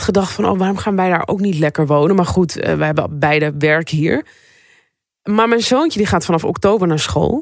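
On a very clean recording with a silent background, a woman speaks in a normal speaking voice with a fairly low pitch, ordinary pitch variation and a moderate pace. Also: very even loudness. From Amsterdam. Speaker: entertainment podcast co-host. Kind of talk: casual chat.

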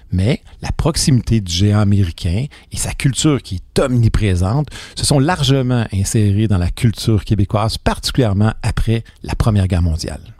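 This man talks at a moderate pace with lively intonation. His voice sits fairly low and has a dark, mellow tone. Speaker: podcast host. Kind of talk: casual chat; scripted narration.

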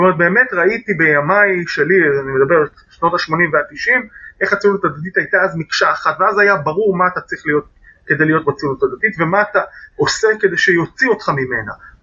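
This man has a high pitch and ordinary pitch variation, moving along at a fairly quick pace. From Israel, Jerusalem. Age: 40s. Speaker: journalist. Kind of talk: interview.

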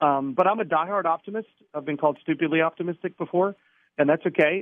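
A man talking very fast, with ordinary pitch variation. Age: 50s. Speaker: author and parenting speaker. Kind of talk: radio interview. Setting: phone call.

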